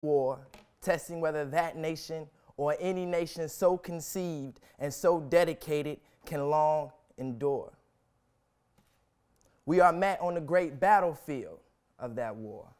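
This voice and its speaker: A young man reciting a historic speech as solemn, dramatic oratory, with deliberate, emphatic phrasing and long pauses. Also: on the high side, darkish tone, clear, resonant tone. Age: young adult.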